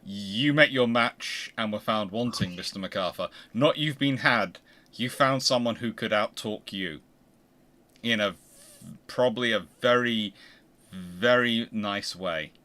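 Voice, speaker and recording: A man hosting a casual history discussion, thinking aloud in a discursive, animated way. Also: fairly low pitch, a little slow. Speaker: host of a history discussion show.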